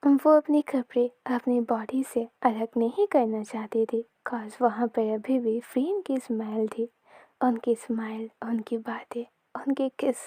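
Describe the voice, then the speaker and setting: Slow, soft-spoken woman storyteller. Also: on the high side, no room sound, studio quality. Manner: soft, often half-whispered narration. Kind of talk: retelling a romance series.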